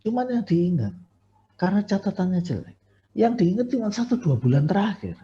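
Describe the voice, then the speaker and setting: A man lectures on staff appraisal in a recorded university class, his high-sitting, warm voice sing-song at a normal speed. He speaks conversationally, with plenty of fillers and self-corrections, and the recording is dull and lo-fi.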